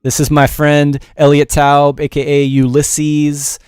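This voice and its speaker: A man's voice: a little high, monotone, unhurried, a little mellow, smooth. A middle-aged man giving a casual livestream music production lesson in a rambling, informal, self-deprecating way. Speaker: music production teacher and show host.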